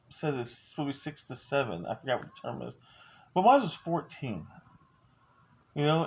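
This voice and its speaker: A man's voice: a little high, highs cut off, slight background noise. A man in his forties talking at home, candid and joking but earnest as he gives advice. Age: 40s. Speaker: vlogger. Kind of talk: casual talk to camera.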